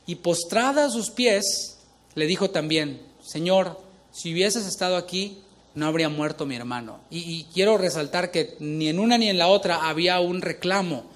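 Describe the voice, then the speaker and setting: A man's voice: sits high, moderate pace. A middle-aged male pastor preaching a sermon, asking the congregation questions as he reads scripture.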